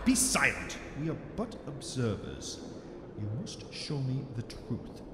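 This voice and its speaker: A man performs a contemptuous, menacing inquisitor in a fantasy audio drama. He speaks slowly and imperiously, with big swings of pitch. The sound is heavily reverberant. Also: huge pitch swings. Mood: stern command. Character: stern, contemptuous male interrogator sorcerer, commanding and cold. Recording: long echoing reverb, noisy ambience.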